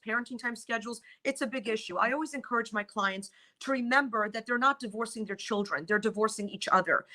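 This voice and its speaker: A woman's voice: a little high, pushed and bright. A middle-aged woman born in Poland, whose first language is Polish, speaking emphatically as a divorce lawyer guest on a morning TV talk show. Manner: emphatic, exclamatory storytelling. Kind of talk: morning TV interview.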